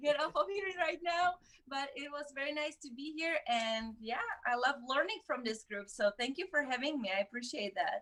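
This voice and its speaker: With a Czech accent, a woman speaks at a high pitch and a moderate pace, her intonation lively. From Czech Republic (Prague). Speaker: photographer. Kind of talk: casual chat.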